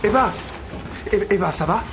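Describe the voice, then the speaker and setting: A man's voice: sits high, normal speed, vocal fry, noisy background. An actor playing a protective, urgent male friend of the heroine in a language-learning radio drama. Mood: concerned. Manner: hushed reassurance turning to urgent cries. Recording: music behind the voice.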